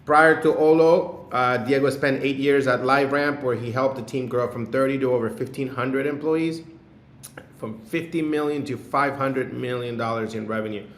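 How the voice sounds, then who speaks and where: A man's voice: medium pitch, fairly even intonation, moderate pace. A man hosting a podcast, introducing and interviewing a guest in an upbeat, emphatic way. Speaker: podcast host. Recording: roomy sound with faint music.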